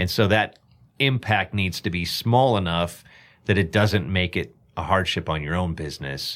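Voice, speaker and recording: A man with a Minnesotan accent speaks at a moderate pace in a very deep, low voice with ordinary pitch variation. The recording is very clean, with a silent background. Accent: Minnesota. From US Midwest. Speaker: pool service business owner. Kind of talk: casual podcast interview. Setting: studio.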